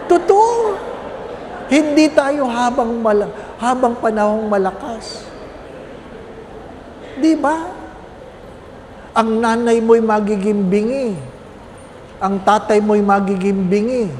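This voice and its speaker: A man's voice: sits high, slow, pauses often, a little mellow, long reverb tail, slight background noise. A man, a Catholic priest, preaching a homily with humorous stories and constant questions to his congregation. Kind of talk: sermon.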